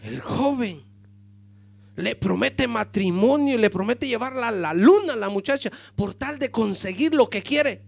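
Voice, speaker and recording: Impassioned preacher with a lively, gravelly voice. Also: male voice, very high-pitched, a little slow. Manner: impassioned preaching, swinging from loud to hushed; addresses congregation as brothers. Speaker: pastor. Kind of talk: sermon.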